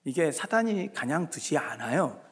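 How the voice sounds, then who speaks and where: A male pastor giving a sermon, moving between hushed asides and loud, emphatic exhortation, now and then acting out his listeners in dialogue. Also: fairly high pitch, very animated, normal speed, husky. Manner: acts out congregants' voices in dialogue. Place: church sanctuary. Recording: long reverb of a church sanctuary.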